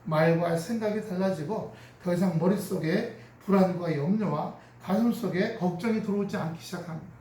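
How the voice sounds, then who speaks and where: A man preaches a sermon in a fairly high voice, shifting into acted prayers and chuckling as he goes. He sounds set back from the microphone, and his voice rings through a reverberant church sanctuary. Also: moderate pace, few pauses. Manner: animated preaching, acting out prayers and quarrels; chuckles often while speaking. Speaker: pastor. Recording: roomy echo from a distant mic.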